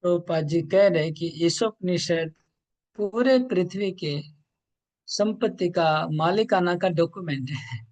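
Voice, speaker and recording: A man teaching a scripture class online, explaining slowly and emphatically, repeating points. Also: sits high, darkish tone. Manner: slow, emphatic, repetitive explaining.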